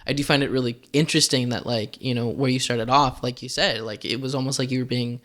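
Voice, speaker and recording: A man's voice: mid-range voice, fairly even intonation, fast talker, a bit bright. A man hosting a casual podcast, asking questions in a friendly, affirming way with lots of casual fillers. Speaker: podcast host.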